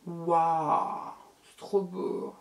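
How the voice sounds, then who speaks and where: A woman's voice: on the low side, little pitch movement, very slow. Chatty middle-aged woman doing makeup tutorial. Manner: chatty, repeats words, fillers. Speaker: beauty vlogger.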